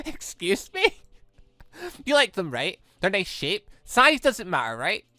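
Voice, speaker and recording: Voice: medium pitch, wildly swooping pitch, slow pace, bright, forceful tone, no echo, heavily acted. A let's player voicing a brash, teasing teenage girl in a visual novel game. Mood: cheeky teasing.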